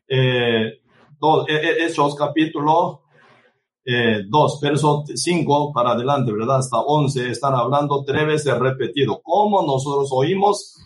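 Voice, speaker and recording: A man preaching a sermon who tags nearly every phrase with a questioning "right?", restarts words and cites scripture by chapter and verse. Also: medium pitch. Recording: voice distant from the microphone.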